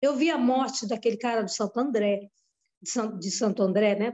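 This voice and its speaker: A woman speaking at a fairly quick pace. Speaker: student of the course sharing testimony. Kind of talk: testimony. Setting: video call.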